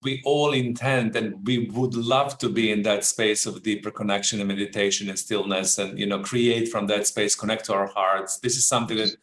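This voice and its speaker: A man hosting an interview, affirming his guest and reflecting in slightly halting phrases. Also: lowish voice, flat delivery, fairly bright tone. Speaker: host. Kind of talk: interview conversation. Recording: roomy echo.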